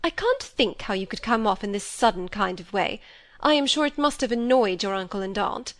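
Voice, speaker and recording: A woman reads as a fretful middle-aged stepmother in a spoken storybook, fussing and complaining in a lively, nagging way, pitched a little above the reader's own voice. The sound is dry and close, with no room around it. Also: moderate pace, no echo, close to an everyday voice. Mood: peevish. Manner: complaining, talks over others. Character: fussy self-pitying middle-aged stepmother.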